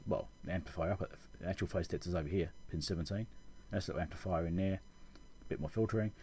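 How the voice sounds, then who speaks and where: A fast-talking man with a low pitch and dark tone explains schematics in a relaxed, think-aloud way. He hosts electronics repair videos, and the recording carries a little hiss or hum.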